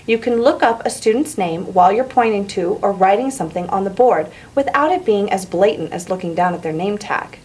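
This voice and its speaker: A woman teacher giving clear, encouraging instruction, in the style of a lesson. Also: medium pitch, lively intonation, a little fast, hardly any pauses, a little mellow. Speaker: English teacher. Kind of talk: instructional narration and classroom teaching. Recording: roomy echo, faint background noise.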